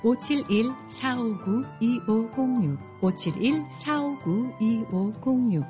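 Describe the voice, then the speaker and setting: A female announcer with a lively, slightly high voice, reading commercials persuasively. Music plays clearly behind her on a dull, lo-fi broadcast. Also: slow pace. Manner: smooth, persuasive. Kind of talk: radio commercial read. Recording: lo-fi radio ad over music.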